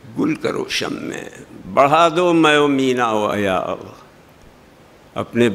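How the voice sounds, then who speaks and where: A man's fairly high voice with very wide pitch swings over noticeable background noise. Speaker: actor, broadcaster and poetry reader. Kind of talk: poetry reading.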